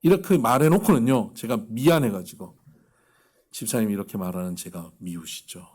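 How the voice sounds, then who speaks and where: A male pastor preaches a sermon full of animated storytelling, acting out the voices of the people in his stories. His voice is husky and on the low side, at normal speed.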